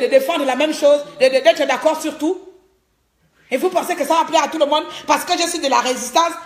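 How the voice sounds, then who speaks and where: A woman from Gabon with a Cameroonian French accent, speaking as an online commentator in an indignant livestreamed rant, often repeating a word while she hunts for the next. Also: sits high. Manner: indignant, repeats words while searching for them. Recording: roomy echo.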